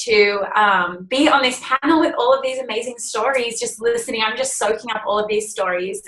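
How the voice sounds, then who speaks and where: With an Australian accent, a woman talks in a fairly high voice that shows ordinary pitch variation. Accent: thick Australian. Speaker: mom and former dancer. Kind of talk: testimony.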